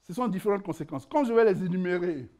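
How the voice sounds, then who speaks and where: A man giving a conference lecture, animated and joking, often repeating words as he searches for the right phrasing. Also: high voice, quick pace. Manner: animated, jokes, laughs at own asides. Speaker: conference speaker presenting his book.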